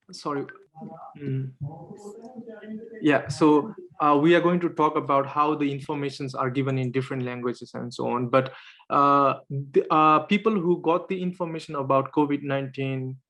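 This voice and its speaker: A man moderates a panel over a video call, his voice at a middling pitch. His first language is Nepali, and he talks hesitantly, with lots of fillers and restarts. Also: a bit bright, low-quality recording.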